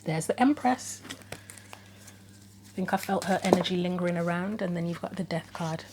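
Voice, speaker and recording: A woman's voice: fairly low pitch, moderate pace, darkish tone, slight background noise. A woman doing an informal tarot reading, thinking aloud through possibilities, her throat a little troubled and her voice starting to go. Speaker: tarot reader, host of own channel. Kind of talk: casual spoken tarot reading.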